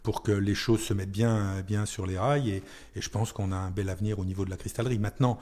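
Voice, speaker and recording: A man's voice: on the low side, steady tone, fast talker, a little mellow. A man speaking as a town mayor in an unscripted radio interview, hesitating and repeating words as he searches for phrasing.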